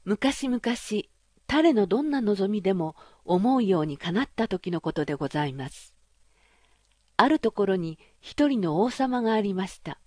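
A woman reading a fairy tale aloud as an audiobook narrator, in a measured, gentle, formal way. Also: mid-range voice, no echo, clean studio sound.

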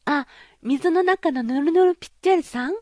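A spoiled young princess with a high, girlish voice, pleading one moment and haughty the next, as a woman narrator puts her on. She sounds like a character from a storybook audiobook, set in a dry, close room with no echo. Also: moderate pace, a little mellow, close to an everyday voice. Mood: tearful. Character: pampered young princess, tearful and petulant.

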